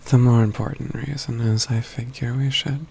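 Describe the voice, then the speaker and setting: A man playing an aloof, proud mage companion in a soft, intimate ASMR roleplay, with formal, measured phrasing and dry teasing. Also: medium pitch, steady tone, vocal fry, slightly rough. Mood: calm, gently guiding. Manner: formal, measured, haughty phrasing with hushed stretches.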